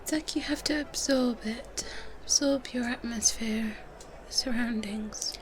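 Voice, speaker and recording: Woman as a slow, gentle whispering vampire mentor. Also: a little high, noisy background, natural voice. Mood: patient, instructive. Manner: soft, whispering, reassuring. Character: gentle, reassuring female vampire twin and patient mentor. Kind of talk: whispered ASMR roleplay.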